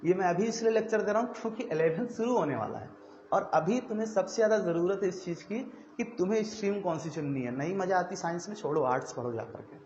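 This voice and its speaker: A young male teacher talks earnestly and conversationally to his class, his voice sitting a little high. The recording is echoey and dull, with a faint hiss behind it. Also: expressive, quick pace, darkish tone. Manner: earnest, conversational, frequent "theek hai" check-ins. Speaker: coaching teacher. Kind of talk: motivational classroom talk to students.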